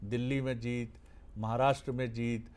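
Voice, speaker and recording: A man's voice: medium pitch, flat delivery, moderate pace, darkish tone, clear, resonant tone. A man hosting a televised political debate, asking polite formal questions and murmuring assent. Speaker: TV debate host.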